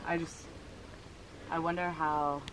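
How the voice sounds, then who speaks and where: A woman's voice: sits low, level tone, slow pace, noisy background. A woman in her twenties chatting playfully with a friend on a hike outdoors. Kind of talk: casual chat. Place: outdoors on a trail.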